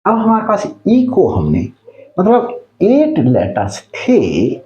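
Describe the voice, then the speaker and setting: Slow, lively-pitched maths teacher, man. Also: muffled recording. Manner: counts aloud slowly, addresses students as children. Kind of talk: slow step-by-step maths lesson.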